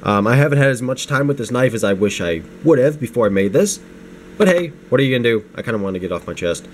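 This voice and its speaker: A man's voice: mid-range voice, expressive, fast talker. A young man getting over the flu, rambling casually through an unscripted knife review at his home desk, with restarts and self-deprecating asides. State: low energy, getting over the flu, sniffly. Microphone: camera mic, hands-only framing. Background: space heater hum.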